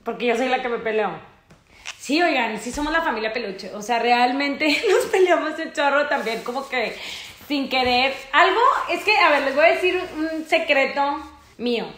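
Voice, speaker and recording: A woman in her thirties with a Mexican accent, chatting loudly and intensely as she answers fan questions. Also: high voice, animated, normal speed, roomy sound. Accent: Mexican Spanish. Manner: loud, intense, laughs often. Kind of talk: casual couple Q&A chat.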